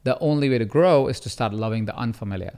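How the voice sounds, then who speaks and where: Animated man telling a story. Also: fast talker. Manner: animated, acts out quotes with rising pitch. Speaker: podcast host and coach. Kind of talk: conversational storytelling.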